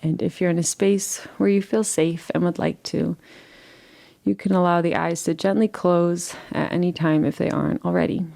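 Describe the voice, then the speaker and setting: A woman leading a guided relaxation meditation in a soothing, gentle way, leaving unhurried pauses between phrases. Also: lowish voice, fairly even intonation, vocal fry.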